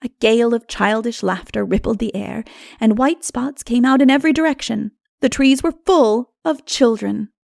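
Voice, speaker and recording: A woman narrating a literary fantasy audiobook in a measured, dramatic storytelling manner. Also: a little high, vocal fry, darkish tone, no room sound, studio quality.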